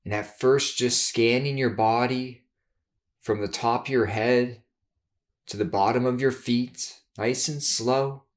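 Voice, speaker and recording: A man leading a guided meditation in a soothing, measured way, giving gentle instructions with long pauses. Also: mid-range voice, steady tone. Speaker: guided meditation leader, therapist.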